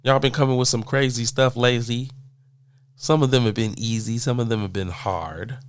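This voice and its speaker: A man's voice: mid-range voice, fairly even intonation, normal speed, clear, resonant tone. A man with a cold, sounding stuffed up, rants casually and emphatically to his viewers, answering their questions and repeating points for effect. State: congested from a cold. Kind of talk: casual opinion rant.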